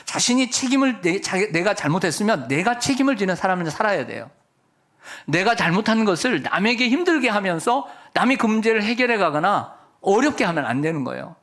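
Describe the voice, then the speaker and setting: A man's voice: high voice, big pitch swings, a little fast, a bit bright. A middle-aged male senior pastor preaching a Sunday sermon, often asking the congregation questions. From South Korea. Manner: preacherly, asks the congregation questions and acts out voices.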